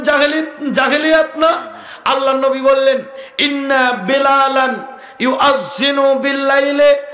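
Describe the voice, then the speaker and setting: High-pitched, fiery male preacher in an echoey hall. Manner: impassioned, calls questions to the crowd and shouts. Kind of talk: sermon.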